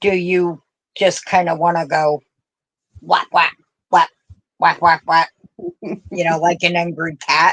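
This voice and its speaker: A woman with a fairly low pitch speaks at a fairly slow pace with long, frequent pauses, in a dry, close sound with no echo. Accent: Central Pennsylvania. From central Pennsylvania. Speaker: crochet crafting YouTuber. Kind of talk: casual chat. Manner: animated.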